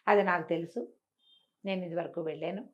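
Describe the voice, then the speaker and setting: A woman's voice: lowish voice, fairly even intonation, a little fast, natural voice. Helpful lame frog guide for a folk tale, read by a woman, matter-of-fact, slightly muffled recording.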